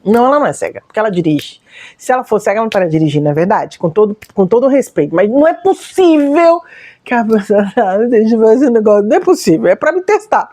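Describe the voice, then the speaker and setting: A woman's voice: medium pitch, fast. A Brazilian woman, a motivational speaker, telling a personal story in casual talk, acting out the dialogue and laughing at herself. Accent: Brazilian Portuguese. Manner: animated storytelling, acts out dialogue.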